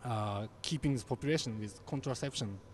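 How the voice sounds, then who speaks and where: A young man, moderating a panel with measured questions. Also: medium pitch, a little hiss or hum. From Japan.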